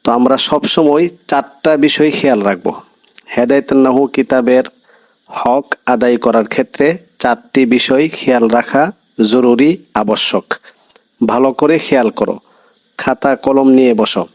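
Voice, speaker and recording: A man's voice: medium pitch, normal speed, poor audio. A man teaching an Arabic grammar class, reading Arabic text and explaining it in Bengali with quiz-style questions to students.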